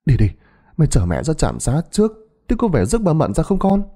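A man voicing a brisk, blunt elderly village grandmother who calls out loudly in a ghost-story telling. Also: a little high, wildly swooping pitch, pitched above the performer's own voice, heavily acted. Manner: calls out loudly, bossy and familiar.

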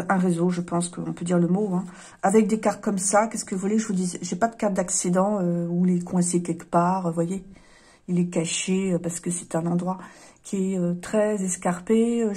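Husky woman reading tarot cards. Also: mid-range voice, darkish tone. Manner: hesitant, apologetic, with frequent fillers and sighs. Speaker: tarot card reader. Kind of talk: casual card-reading monologue.

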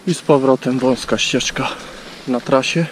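A man in his forties hiking through the woods and talking into a camera on a stick, in an unhurried, plain way. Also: medium pitch, a little hiss or hum. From Poland. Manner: unhurried, plain, talks while walking. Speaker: hiking vlogger. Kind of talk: casual spoken walk-through narration. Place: leafless forest outdoors. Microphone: action camera on a selfie stick.

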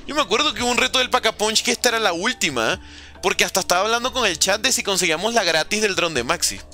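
A high-pitched man talks fast in a pushed, bright voice while soft music plays. He's a gaming streamer giving casual commentary, joking, slinging slang, and reading his viewers' messages out loud to answer them.

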